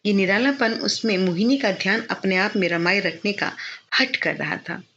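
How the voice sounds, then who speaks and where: A woman narrates a novel in a measured, expressive reading voice of middle height. The recording is somewhat dull and lo-fi, with a faint hiss beneath it. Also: medium pitch. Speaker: audiobook narrator.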